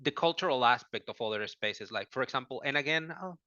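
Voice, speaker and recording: A man's voice: mid-range voice, animated, fast talker, pushed and bright, no echo, highs cut off. A man from Venezuela on a panel, talking in an apologetic, self-correcting way with laughs between his sentences. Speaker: panel guest. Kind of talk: casual panel discussion.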